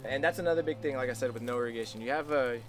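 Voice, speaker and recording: An American food forest farmer chats loosely in a casual outdoor interview on his farm, restarting his sentences often. His voice is medium-pitched and very fast, with background noise and music underneath.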